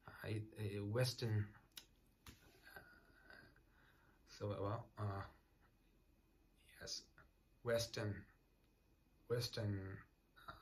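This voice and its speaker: Soft-spoken hesitant Japanese-accented man. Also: on the low side. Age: 30s. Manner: speaks softly and hesitantly, many fillers, searching for words. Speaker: English learner. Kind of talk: casual self-introduction to camera. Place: small apartment room at night.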